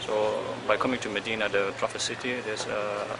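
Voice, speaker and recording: A man's voice: on the low side, flat delivery, fairly quick. A young man who grew up in Sweden, speaking as a university student in a hesitant testimonial full of "uh" fillers, recorded outdoors by a street. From Somalia, raised in Sweden. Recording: outdoor traffic noise.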